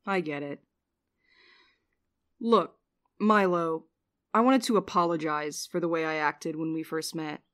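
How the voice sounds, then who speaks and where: A woman's voice: low voice, unhurried, long pauses, a bit bright. A woman playing a wry, guarded, sleep-deprived mail courier in an audio drama, speaking in a dry, weary way. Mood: gentle, apologetic. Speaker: lead actor in a fiction podcast. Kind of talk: naturalistic audio drama acting.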